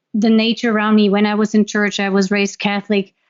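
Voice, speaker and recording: Her pitch is fairly high for a woman. She speaks with a German accent. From Germany. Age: 40s. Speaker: energy healer and coach. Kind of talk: podcast interview.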